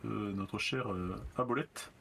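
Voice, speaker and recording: A man's voice: fairly low pitch, a little slow, gravelly, a bit bright, a little hiss or hum. A man, narrating a tabletop role-playing game as game master, improvising and addressing players hesitantly.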